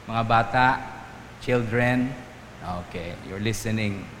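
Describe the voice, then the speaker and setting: A man's voice: lowish voice, slow, fairly bright tone, a little hiss or hum. A man, a priest, giving a Sunday homily, telling stories and acting out the voices of the people in them. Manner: storytelling, acting out quoted voices, asking "Amen?". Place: church. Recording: echoey church hall, faint ambience.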